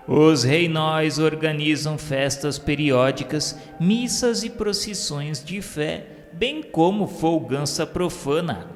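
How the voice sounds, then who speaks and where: Slow, solemn Brazilian male narrator in reverb. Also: on the high side. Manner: formal, measured literary diction. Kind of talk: solemn scripted narration of a radio drama. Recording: long reverb, music under the voice.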